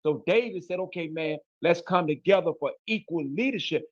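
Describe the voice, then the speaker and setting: A blunt, emphatic man with a Chicago accent, using plenty of street slang. His voice sits a little high for a man. The audio is dry and somewhat dull, like a lo-fi recording. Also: expressive, a little fast, no echo. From Chicago, USA. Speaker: guest. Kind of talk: casual interview talk.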